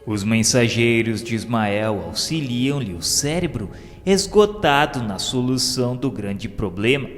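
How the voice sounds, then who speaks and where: A man with a Brazilian accent narrating a radio drama in a solemn, measured way. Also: mid-range voice, expressive. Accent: Brazilian Portuguese. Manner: slow, solemn, measured delivery. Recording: long reverb with faint music.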